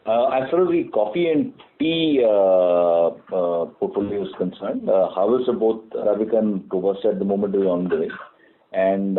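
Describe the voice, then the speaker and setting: Low-voiced halting man on a phone line. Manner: halting, formal, frequent uh. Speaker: company executive presenting quarterly results. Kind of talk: prepared business report on a conference call. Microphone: telephone conference call. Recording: muffled narrow-band phone line.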